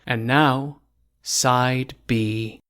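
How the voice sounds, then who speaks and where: A man reading a podcast sponsor message in a conversational, informal way, with playful deadpan humor. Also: mid-range voice, extremely slow, slight background noise.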